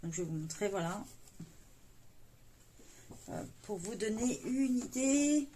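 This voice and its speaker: In this coloring book haul vlog, a woman chats casually while opening a parcel, her talk full of fillers and happy little exclamations. She speaks slowly in a mellow, expressive mid-range voice, with slight background noise.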